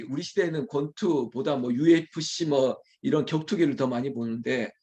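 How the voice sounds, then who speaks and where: A man, a pastor, preaching an early morning prayer sermon in a candid, conversational way, teasing and scolding his small congregation, then quickly apologizing. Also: fairly high pitch, a little mellow.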